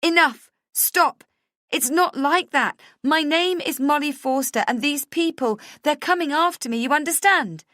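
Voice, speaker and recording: A woman's voice: medium pitch, animated, a little slow, no room sound, clean studio sound, pitched above the performer's own voice, lightly acted. A woman voicing a frantic, desperate woman in a dramatic audiobook, speaking urgently and insistently as if pleading to be believed. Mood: furious, desperate. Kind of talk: dramatic audiobook character dialogue.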